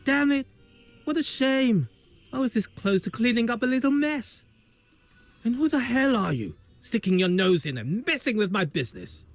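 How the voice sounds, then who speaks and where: A black market thug for a video game. He is taunting and full of swagger, with a fairly high, very animated pitch. The sound is dry, with music behind it. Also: moderate pace, no room sound, full character voice. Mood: angry, threatening. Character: menacing black market debt collector, scheming and brash.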